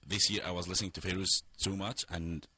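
A young man in his twenties with a Jordanian accent, co-hosting a radio show in a hesitant, casual way full of pauses. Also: low-pitched, little pitch movement, sharp tone, breathy edge, no echo. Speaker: radio co-host. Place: college radio studio.

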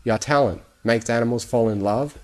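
Old male pony, storybook: gentle, unhurried authority, kindly and conversational; male reader. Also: mid-range voice, close to an everyday voice.

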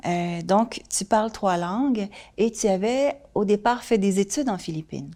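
A woman, interviewing a guest and gently prompting her with short questions. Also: mid-range voice, normal speed. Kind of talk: conversational interview.

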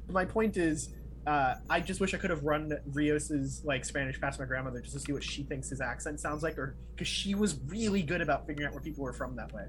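A man's voice: on the high side, low-quality recording. A man co-hosting a podcast in casual chat, talkative with frequent fillers like "like" and "right?". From Miami, family from Peru. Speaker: podcast co-host. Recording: faint background noise.

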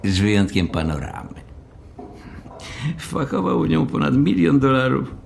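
A cold, pompous hotel manager in an audio drama. His delivery is formal and condescending, slow yet rising and falling freely, with a gravelly creak in the voice. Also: medium pitch, huge pitch swings, a little hiss or hum, heavily acted. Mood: pompous lecturing. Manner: formal, condescending, hesitant openings. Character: stiff, self-important, balding hotel manager, frank and cold.

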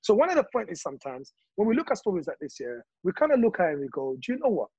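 A man from Congo talking passionately in casual chat, telling his views with animated stories. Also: high voice, racing, husky, no room sound, highs cut off.

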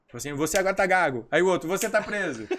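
Fast-talking animated man telling stories. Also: sits high, noisy background. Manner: animated storyteller, acts out dialogue. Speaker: podcast guest, hypnotherapist. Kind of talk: casual podcast chat.

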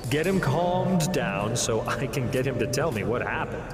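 An actor playing a smooth-talking demon who works as a defense lawyer, telling his story in a theatrical, wry way for an audio drama. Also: mid-range voice, expressive, normal speed, natural voice. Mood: wry, sardonic. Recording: reverberant hall, music underneath.

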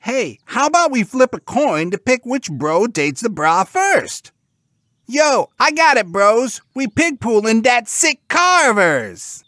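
A man voicing immature, girl-crazy young pig brothers in a storybook, excitable and whiny, talking in bro slang. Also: very high-pitched, slow pace, no room sound, studio quality, voice pushed up, full character voice. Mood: eager.

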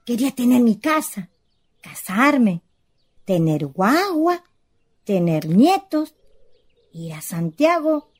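A bossy ghost of a village elder sister in Chilean radio theatre. Her voice is high and swings widely in pitch. She speaks in a rural Chilean accent with a scolding, expressive manner. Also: slow pace, long pauses, husky, heavily acted. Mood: wistful.

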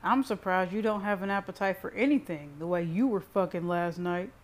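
A woman's voice: mid-range voice, slow pace, a little mellow, natural voice. A smug, crude young man, played by a woman narrator, needles and teases in an annoying tone. He is the taunting brother of an audiobook drama. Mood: smug teasing. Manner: teasing, smug, hissing. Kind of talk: audiobook character reading.

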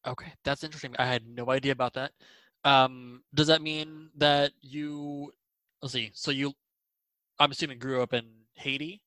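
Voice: medium pitch, steady tone, moderate pace, sharp tone, dry recording, rough recording. A host asking casual interview questions, hesitating often on fillers.

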